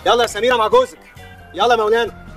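An actor with an Egyptian accent playing an impulsive husband in a comedy film, swinging from shouting to muttering. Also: male voice, extremely high pitch, fairly even intonation, racing, soft background music.

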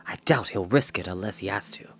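An earnest young adventurer in a storybook, read by a man. He reasons in a hushed, measured, thoughtful way and sounds cautious. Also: sits low, breathy edge, voice pushed down. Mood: hushed reasoning.

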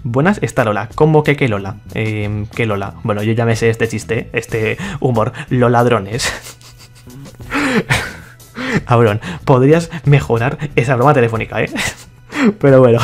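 A young man talks through a game in a loose, joking way, chuckling often and reading out what other players type. His voice sits at an ordinary middle pitch, and soft music plays faintly under it. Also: expressive, a little slow. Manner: playful, laughs often, reads other players' chat aloud. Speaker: gaming YouTuber. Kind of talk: casual gameplay commentary.

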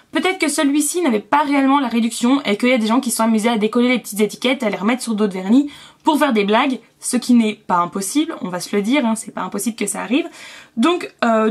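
Chatty young woman vlogger. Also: fairly high pitch. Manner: chatty, filler-heavy, quick asides. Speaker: beauty vlogger. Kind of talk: casual haul chat.

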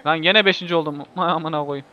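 Excitable man calling his own racing game, loose and foul-mouthed; bright, pushed tone on a dull home mic. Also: a little high, fairly quick, soft background music. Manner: excitable, swears and shouts at the game. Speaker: gameplay video host. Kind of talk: live gameplay commentary. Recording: muffled lo-fi mic with faint hiss.

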